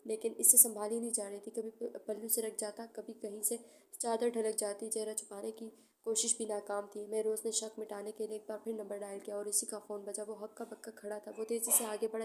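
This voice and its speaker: A woman narrating an audio novel in a steady, measured storytelling manner, with occasional stumbles. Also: medium pitch, a little hiss or hum.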